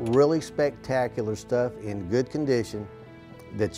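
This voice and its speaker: A man talks at a fairly slow pace. Clear music plays in the background. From Southern United States. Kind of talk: local TV infomercial. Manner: casual, conversational. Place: shop.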